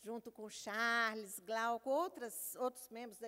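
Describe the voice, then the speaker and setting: At a fairly slow pace, the speaker has a bright, sharp tone and fairly even intonation. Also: woman. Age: 60s. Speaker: sociologist and activist. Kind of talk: conference panel talk.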